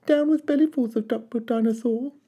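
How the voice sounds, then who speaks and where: A reader voicing a gentle young male dinosaur who won't eat meat, in a high, meek, apologetic voice. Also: brisk, muffled recording, natural voice. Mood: cheerful.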